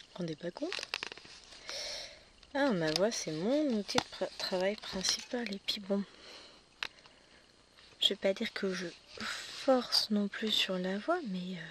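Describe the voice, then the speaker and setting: A woman with a slightly hoarse morning voice talks casually to her viewers while she works, often dropping into a near-whisper. Steady background noise sits clearly behind her. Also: medium pitch. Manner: chatty, self-correcting, often drops to a whisper. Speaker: cross-stitch vlogger. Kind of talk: casual chat while stitching.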